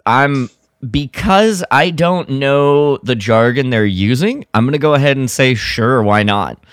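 A man's voice: mid-range voice, animated, unhurried, dry recording, clean studio sound. A man co-hosting a podcast, talking in casual fan chat. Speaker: podcast co-host.

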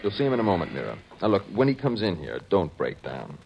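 An actor playing a composed, authoritative security police chief in a 1950s radio drama, brisk and matter-of-fact. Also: male voice, sits low, big pitch swings, gravelly, full character voice. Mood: calm, explanatory. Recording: dull, noisy 1950s radio recording.

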